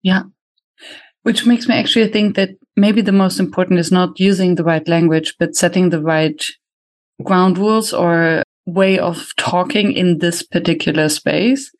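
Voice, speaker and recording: A native German speaker hosts a conversational podcast in English with a German accent. The voice sits at a middling pitch, and the delivery is thoughtful and questioning. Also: fairly even intonation, measured pace. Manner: thoughtful, asks questions, speeds up when explaining.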